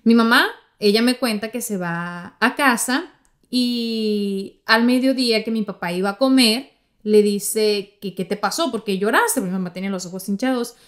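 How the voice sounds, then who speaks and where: A woman's voice: medium pitch, unhurried. A woman from Mexico with a Mexican accent, hosting a podcast and telling stories in a chatty way, talking straight to her listeners. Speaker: podcast host. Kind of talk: casual podcast monologue.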